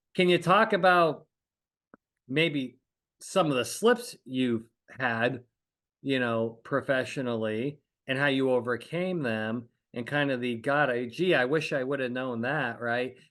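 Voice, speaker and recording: Speaking at a medium pitch with ordinary pitch variation, a man goes at a fairly slow pace with long, frequent pauses against a quiet background. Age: 50s. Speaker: podcast host, litigation psychologist. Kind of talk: interview podcast. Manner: halting, many fillers and repeats.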